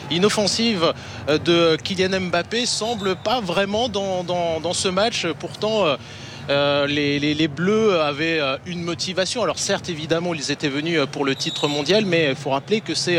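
A man calling a live football match as play-by-play commentator, excitable and full of fillers. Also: high-pitched, a little hiss or hum.

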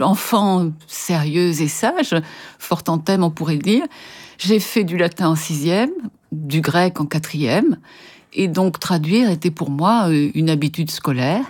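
A woman with a lowish voice answers an interview as a literary translator. She tells her stories in an articulate, lively way, pausing now and then to find her words. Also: husky. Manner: articulate, lively storytelling with hesitations.

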